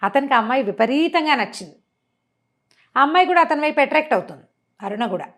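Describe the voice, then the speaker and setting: A woman storyteller retelling a story in a conversational, expressive way, mixing in some English words. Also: high voice, fast talker. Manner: expressive, acts out characters' dialogue.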